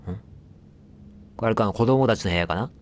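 A man's voice: on the low side, brisk. A man giving casual let's play commentary, chatting to the game and its characters as he plays. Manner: chatty, talks back at the game, apologizes for noise.

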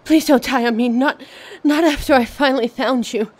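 A woman's voice: high-pitched, moderate pace. A woman playing an anxious, sarcastic werewolf nearing thirty in an audio drama. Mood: desperate pleading.

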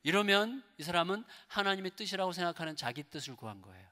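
A middle-aged man preaching a sermon as a guest pastor, full of rhetorical questions to the congregation and swinging between soft and loud. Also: high voice, sing-song, fast talker. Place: church sanctuary. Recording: reverberant church hall.

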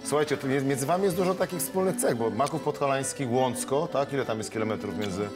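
A middle-aged man hosting a TV studio chat, teasing his guests with quick follow-up questions on a lapel mic. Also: mid-range voice, music in the background. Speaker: studio host.

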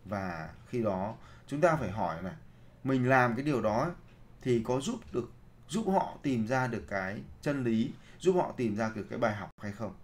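A man's voice: medium pitch, animated, moderate pace. A man giving a seminar lecture as a leadership trainer, posing rhetorical questions, then answering them himself, and repeating his key phrases to the audience.

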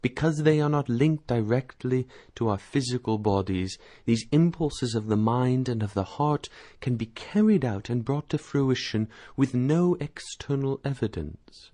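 A man, a priest, giving a measured, earnest homily commentary and reading aloud from an ancient sermon. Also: mid-range voice, lively intonation, mellow, no echo. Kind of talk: spoken homily commentary, reading patristic text.

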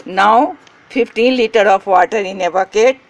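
A woman whose first language is Hindi, hosting a gardening channel and giving slow step-by-step instructions in short phrases. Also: medium pitch, lo-fi sound. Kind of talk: step-by-step how-to narration.

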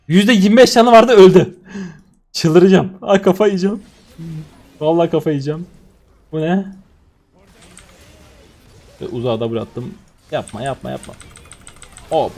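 Lively young male gamer streamer. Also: on the high side. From Turkey. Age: 20s. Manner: swings from muttering to shouting and laughing. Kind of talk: excited gameplay commentary.

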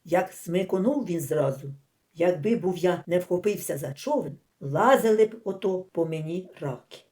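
A woman voicing a frightened, talkative old man fisherman in an audiobook, shouting in a raised, strained voice. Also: lowish voice, lively intonation, moderate pace, natural voice. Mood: rambling. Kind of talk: audiobook character voice.

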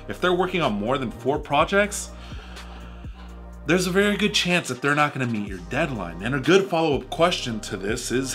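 A home renovation YouTuber with a bright, mid-range voice delivers scripted advice to the camera in a vlog. He is animated and jokey, gesturing widely with his hands, in a small home studio room decorated with posters.

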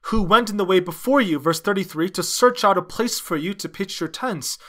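Male sermon interpreter, slightly high-pitched, halting phrase-by-phrase preaching delivery. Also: pushed and bright. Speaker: interpreter dubbing a pastor's sermon.

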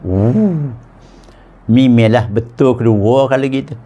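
A man's voice: on the high side, animated, takes it slowly, a little mellow. A man with a Patani Malay accent giving a religious lecture in a mosque, jovial, quizzing his listeners and chuckling often. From southern Thailand. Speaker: religious teacher.

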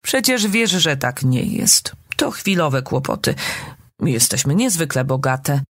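Woman putting on a pompous middle-aged writer mom, husky, lively ups and downs, dead dry close sound. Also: a bass voice, unhurried, dry recording, heavily acted. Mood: soothing. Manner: lofty and theatrical, then soothing. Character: flamboyant, self-important middle-aged woman writer, a mother. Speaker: audiobook reader. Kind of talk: dramatic audiobook reading.

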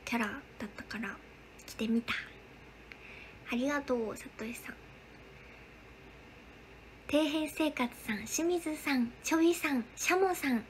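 A woman's voice: sits high, slight background noise. A young woman hosting a casual livestream, greeting viewers by name and answering their chat comments. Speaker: livestream host.

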